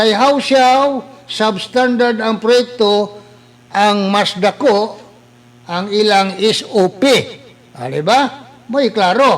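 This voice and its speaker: At a very slow pace, a man talks at a high pitch with ordinary pitch variation. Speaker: local political commentator. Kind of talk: political rant. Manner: animated.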